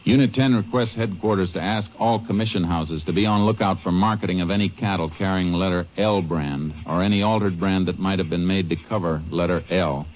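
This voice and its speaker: A man acting a very low-voiced Texas Ranger, calm and methodical, an observant lawman in a western radio play. The vintage recording is dull with faint noise. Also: fairly quick, hardly any pauses, lightly acted. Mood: brisk, official. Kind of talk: old-time western radio drama acting.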